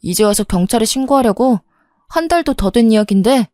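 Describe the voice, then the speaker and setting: A woman's voice: a little high, expressive, a little fast, mellow, no room sound, clean studio sound, close to an everyday voice. A woman voicing an irritable, shifty man who is posing as someone's old flame, speaking curtly and defensively. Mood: snappish. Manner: curt and defensive.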